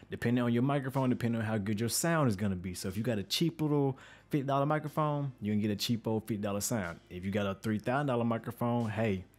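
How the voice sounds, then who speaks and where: A man with a deep, bassy, somewhat dark voice hosts a music production tutorial, talking informally in slangy everyday speech. He's close on a studio microphone with a pop filter. The room is an untreated home studio with a reflection filter.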